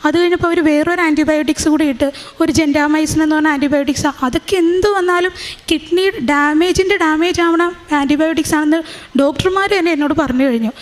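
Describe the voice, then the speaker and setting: High-voiced woman giving testimony. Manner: halting, with many fillers and restarts. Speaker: testimony speaker. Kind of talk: religious testimony, personal account.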